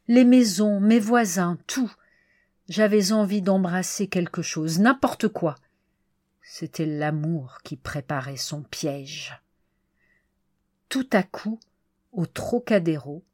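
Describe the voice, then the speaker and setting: A woman reading a classic short story aloud as an audiobook, measured and expressive. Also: fairly low pitch, no echo, clean studio sound. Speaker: reader.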